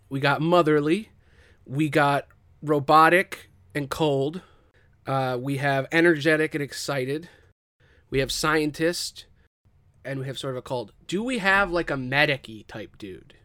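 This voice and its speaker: A man's voice: fairly high pitch, a bit bright, no echo, studio quality. A man in casual chat, brainstorming characters with a co-host, loose and profane with many fillers.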